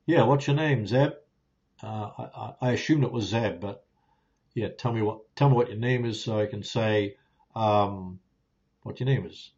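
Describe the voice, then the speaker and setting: Speaking at a moderate pace with a fairly low pitch, a Kiwi YouTuber meanders through viewer questions in a casual live Q&A, easygoing and prone to fillers and false starts. The recording, made with a phone and lapel mic in a home studio with plants, softboxes and a ring light, sounds muffled.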